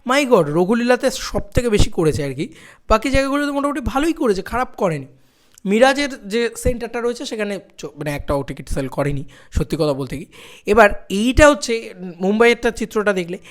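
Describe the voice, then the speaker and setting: A young man talking in an excitable, emphatic way in a fan vlog, repeating phrases to build hype. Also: sits high, a little fast. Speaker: film fan YouTuber. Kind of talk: excited fan vlog about box office.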